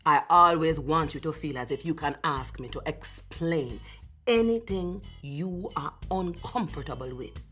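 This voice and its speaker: A woman voicing a stern but kindly old grandmother in a storybook, measured and wise. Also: low voice, a bit bright, soft background music. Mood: reassuring. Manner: measured, admonishing, reassuring.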